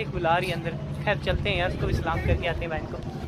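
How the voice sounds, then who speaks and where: Over loud background noise, a man talks at a very fast pace in a dry recording with no echo. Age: 20s. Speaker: vlogger and college student; vlogger. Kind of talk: casual vlog. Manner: animated. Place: street. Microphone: phone near.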